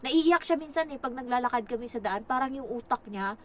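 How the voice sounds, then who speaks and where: A woman from the Philippines, a domestic helper, casually telling a story in a vlog and turning higher and louder when she quotes people. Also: a little fast, slight background noise. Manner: animated retelling, jumps higher and louder when quoting others.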